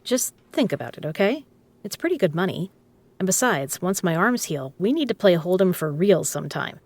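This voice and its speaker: A woman's voice: lowish voice, big pitch swings, normal speed, a little mellow, no room sound. A woman playing a tough, teasing poker club owner with a dry, casual manner in an audio drama. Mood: reassuring, candid. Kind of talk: scripted audio roleplay spoken to the listener.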